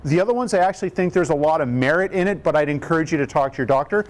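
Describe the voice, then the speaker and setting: Rapid-fire and with lively intonation, a booming fifty-something cardiac rehab educator leads a live question-and-answer session, explaining health in plain, upbeat words. His pitch runs a little high, and he keeps asking the room rhetorical questions.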